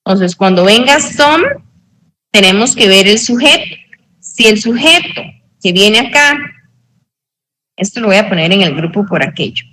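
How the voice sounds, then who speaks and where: Slow, patient teacher woman. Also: medium pitch, expressive, bright, forceful tone, a little hiss or hum, rough recording. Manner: slow, patient explaining with frequent check-ins. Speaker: English teacher. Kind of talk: online grammar tutoring in Spanish.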